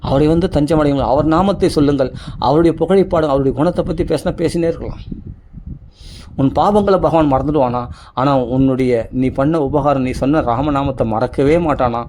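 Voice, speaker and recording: Male devotional speaker, slightly high voice, emphatic rhetorical delivery, faint background hiss. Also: fairly quick, darkish tone. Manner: emphatic, repetitive, rhetorical questions. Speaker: religious speaker. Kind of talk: devotional discourse.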